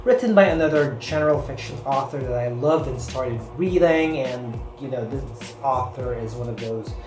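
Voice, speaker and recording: A book reviewer from the Philippines, whose first language is Filipino, chats casually to the camera in a medium-pitched voice. She rambles along, leaning heavily on "you know" and "like." The recording comes from an echoey room with music playing in the background.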